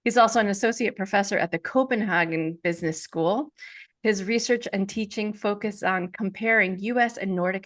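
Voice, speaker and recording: A woman hosting an interview podcast, reading a guest's bio and asking questions with enthusiasm. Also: mid-range voice. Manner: enthusiastic, upbeat. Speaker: podcast host.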